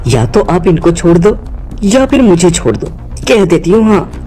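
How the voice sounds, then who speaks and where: A proud young daughter-in-law from a cartoon story, voiced by a woman. Her tone is dark and mellow, yet she speaks curtly and dismissively. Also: on the low side, big pitch swings, moderate pace, soft background music. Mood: haughty. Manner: haughty, curt and dismissive. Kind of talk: Hindi cartoon moral story voice acting.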